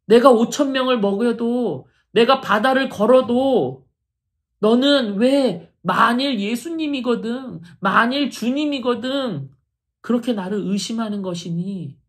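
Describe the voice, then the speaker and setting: A woman pastor voicing a gentle male teacher figure who rebukes tenderly and slowly within her sermon. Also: fairly high pitch, lightly acted. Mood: gently reproving.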